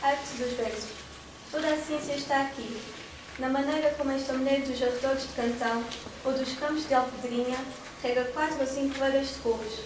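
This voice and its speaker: A female student softly reading a short poem aloud in class. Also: high-pitched, fairly even intonation, brisk. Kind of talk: poetry reading. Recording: echoey hall, distant mic, noisy.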